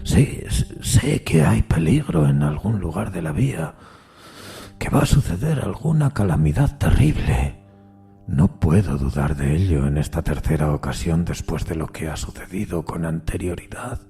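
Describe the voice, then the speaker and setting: A man playing an anguished railway signalman haunted by a spectre, earnest, deferential and hushed, in a dramatic audio story. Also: deep voice, lively intonation, moderate pace, creaky, husky, faint music behind, heavily acted. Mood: anguished, fearful. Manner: troubled, pensive, hushed.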